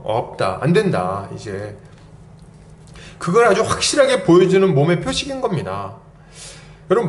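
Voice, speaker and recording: Lively, high-pitched male pastor preaching. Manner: lively storytelling with rhetorical questions. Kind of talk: sermon.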